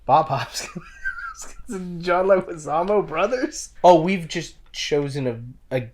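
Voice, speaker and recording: A man co-hosting a talk show in casual, halting, rambling chat. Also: a little high, huge pitch swings, a little hiss or hum. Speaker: show co-host. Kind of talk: casual chat about video game movies.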